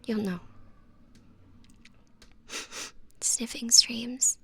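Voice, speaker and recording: Softly whispering playful young woman. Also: on the high side, steady tone, very slow, breathy edge, no room sound. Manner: soft whispering, playful and teasing. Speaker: VTuber streamer. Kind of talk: whispered ASMR-style live stream chat. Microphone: close microphone.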